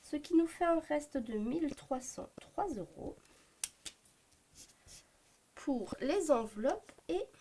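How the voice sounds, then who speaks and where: A Belgian woman in her thirties talks through her family budget at home, her voice a little hoarse from a cold. She is chatty and hesitant, leaning on fillers as she thinks aloud. Her tone is mellow but pitched a bit high, with faint background hiss. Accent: Belgian French. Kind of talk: casual talk to camera. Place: home at a desk, morning.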